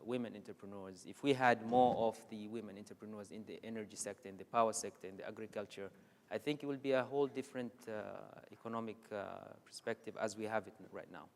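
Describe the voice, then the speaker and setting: Measured man on a hall panel. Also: fairly low pitch. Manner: measured, hesitant with fillers. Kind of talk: panel discussion. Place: conference hall stage. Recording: echoey conference hall.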